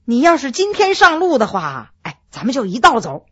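A genial gentleman official, chatting in a relaxed, good-humoured way, as a woman storyteller voices him. The voice is pitched down from the reader's own, with a husky breath in it. He sounds friendly and at ease. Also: moderate pace, muffled recording, exaggerated voice. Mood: jovial. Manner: jovial, easy-going. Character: genial male official, cheerful and generous.

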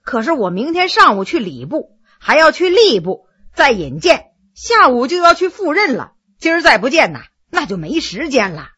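Woman playing a polite tired official man, drawn-out formal greetings, lively pitch. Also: dull audio, heavily acted. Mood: courteous. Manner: slow, ceremonious and polite. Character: middle-aged male official, courteous and weary.

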